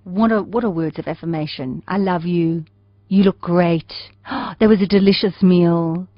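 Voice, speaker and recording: A woman's voice: fairly low pitch, steady tone, measured pace, no room sound, lo-fi sound. A woman with a South African English accent, hosting a radio interview and asking questions with hesitant repeated words.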